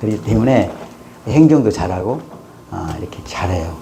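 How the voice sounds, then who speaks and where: A man's voice swings very widely in pitch, with an audible room echo and noticeable background noise. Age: 60s. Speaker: pastor. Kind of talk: sermon.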